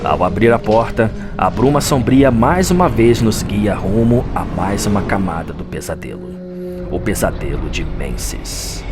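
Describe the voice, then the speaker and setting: A man with a Brazilian accent voicing a lore scholar who narrates a dark gothic nightmare in a grave, theatrical audio drama style. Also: lowish voice, expressive, a little slow. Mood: grave, ominous. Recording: music under the voice. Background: music.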